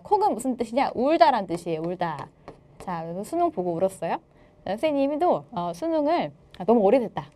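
Lively woman teacher with a mellow voice. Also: medium pitch. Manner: lively, playful, jokes with students. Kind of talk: exam explanation lecture.

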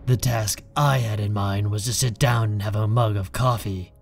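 A man's voice: lowish voice, fairly even intonation, moderate pace, gravelly, soft background music. A man playing a cold, proud, defiant hero in an audio drama, speaking with curt, controlled contempt. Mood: contemptuous. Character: cold, proud, defiant man guarding his younger brother. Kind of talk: fan audio drama acting.

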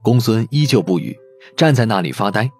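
A man's voice: lowish voice, expressive, a little fast, faint music behind. A man reading a novel aloud as a dramatic audiobook narrator.

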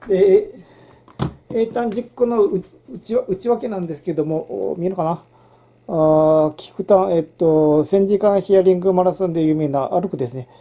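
A woman's voice: fairly low pitch, expressive, normal speed, dark tone. A middle-aged woman, hosting a casual handwriting lesson and rambling with many fillers and restarts. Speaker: channel host.

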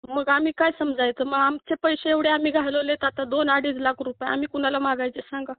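A high-pitched woman from Maharashtra calls for help over a tinny, dry phone line, her voice thin and close, with no room or echo. With little pitch movement and a slightly fast pace, she pleads near tears, pressing her complaint with short questioning tags.

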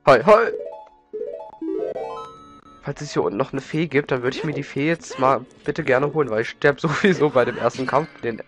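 A let's play host with a slight head cold gives casual video game commentary, rambling informally and repeating words. His mid-range voice is animated and at normal speed, with long pauses, and game music plays behind him.

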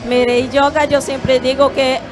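A Brazilian woman yoga teacher speaking Spanish in a gentle, measured way with small hesitations, on a handheld mic at a fair stand. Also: high-pitched, flat delivery, music in the background. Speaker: yoga teacher and holistic therapist. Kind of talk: calm explanatory interview answers. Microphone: handheld microphone.

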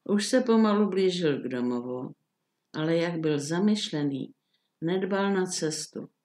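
Older lady reading an old fairy tale out loud, calm, steady pace. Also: on the low side. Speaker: storyteller.

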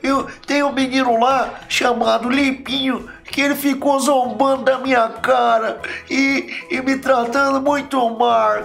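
A man's voice: very high voice, little pitch movement, a little slow, creaky, few pauses, faint music behind, exaggerated voice. A young man voicing a timid, sad country boy in a Roblox story, talking hesitantly and stammering. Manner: hesitant, stammering, soft-spoken. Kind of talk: Roblox story role-play.

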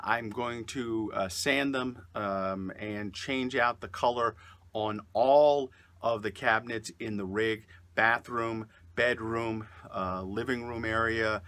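Man chatting casually inside a motorhome. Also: mid-range voice. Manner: relaxed, many "uh" fillers, upbeat sign-off. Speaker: vlogger. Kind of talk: casual vlog talk to camera. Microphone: camera mic at close range.

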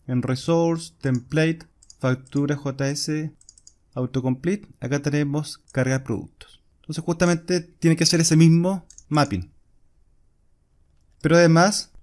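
A man's voice: on the high side, a little mellow. A man, explaining a coding screencast step by step while he types. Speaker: programming instructor. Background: keyboard typing and clicks.

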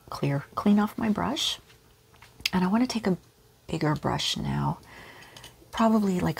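Low, soft-spoken woman with gravelly fry. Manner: soft, relaxed, often whispery. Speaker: art teacher. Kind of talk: real-time painting tutorial. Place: home studio with pets nearby.

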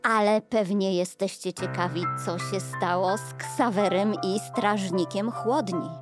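A woman narrates an audio play for children. She takes her time in a mid-range voice, with clear music playing underneath. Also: medium pitch, fairly even intonation, unhurried. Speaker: storyteller narrator.

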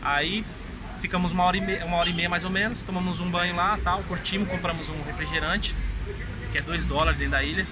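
A man chats outdoors, telling his trip as a story and laughing at himself, his voice a little high. He is recorded on a phone held at arm's length in a garden. Loud wind and street noise run underneath him. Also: steady tone, fast. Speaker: traveler recounting a trip. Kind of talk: casual outdoor chat. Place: outdoor garden by a fence, windy. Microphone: phone camera at arm's length.

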